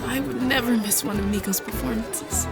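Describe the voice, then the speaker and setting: A woman's voice: a little high, moderate pace, vocal fry, loud music behind the voice. An actress playing a doting, affectionate mother in a remembered scene of an audio drama. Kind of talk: audio fiction acting.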